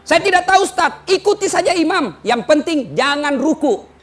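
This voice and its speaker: High-voiced preacher telling jokes. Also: male voice, moderate pace. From Indonesia. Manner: lively storytelling with mimicked voices and shouted questions. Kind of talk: humorous sermon.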